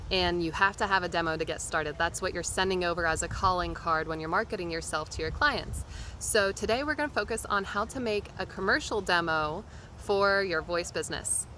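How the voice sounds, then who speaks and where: A woman's voice: lowish voice, bright, forceful tone, a little hiss or hum. A woman giving an informal, step-by-step how-to tutorial in the manner of a voice actor teaching beginners. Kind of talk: explanatory how-to tutorial talk. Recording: music behind the voice. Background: background music.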